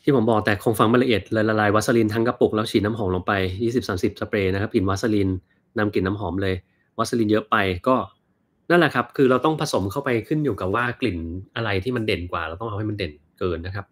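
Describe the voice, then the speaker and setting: Thirties guy from thailand chatting on a livestream, slightly low voice, easygoing, lots of umms. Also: quick pace. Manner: relaxed, chatty, thinks aloud with fillers. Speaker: doctor and livestream host. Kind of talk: casual livestream Q&A, reading viewer comments.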